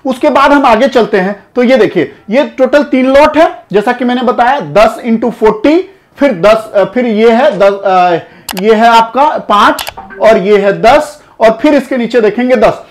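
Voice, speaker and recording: A man in his thirties who hosts a channel, explaining an auction listing to camera in a lively, direct way, recorded indoors on a lapel mic. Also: very high voice, a little slow. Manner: energetic, gestures broadly, addresses viewers directly. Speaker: customs auction consultant and channel host. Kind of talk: explainer to camera in front of a screen. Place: indoor studio before a projected screen.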